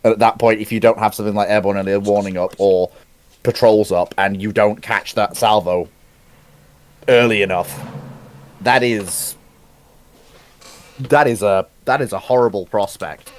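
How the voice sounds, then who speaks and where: A man in a casual analytical panel chat, speaking haltingly and repeating phrases for emphasis. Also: lowish voice, steady tone. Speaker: panellist on a live naval history show.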